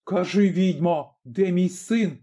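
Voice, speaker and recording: Taking it slowly, a man with a warm, high-pitched voice plays a grim and fearless Cossack father in a storybook reading. The character sounds firm and commanding, over slightly dull audio with faint music behind it.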